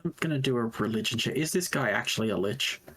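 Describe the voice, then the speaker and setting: A man banters casually as a tabletop game player. His voice sits at a middle pitch and moves up and down a lot as he talks. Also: lively intonation, fast, fairly bright tone, breathy edge.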